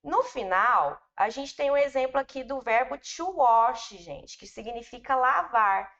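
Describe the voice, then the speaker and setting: A woman's voice: a little high, expressive, unhurried, fairly bright tone. A woman teacher with a Brazilian Portuguese accent, giving a patient, step-by-step grammar lesson and speaking informally to her students. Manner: addresses students informally, explains patiently with repetition. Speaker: English teacher. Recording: dull, lo-fi recording.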